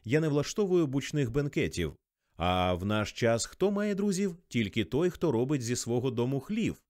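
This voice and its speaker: A man's voice: medium pitch, big pitch swings, moderate pace, darkish tone, no echo, studio quality, close to an everyday voice. A man voicing a jealous wealthy husband who blusters and bullies indignantly. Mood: sneering.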